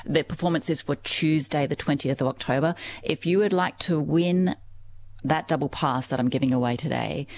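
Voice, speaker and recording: A chatty woman hosting live radio from a studio, gushing and quick to laugh. Her voice sits low for a woman. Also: darkish tone, a little hiss or hum. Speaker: radio host. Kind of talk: live radio interview and giveaway.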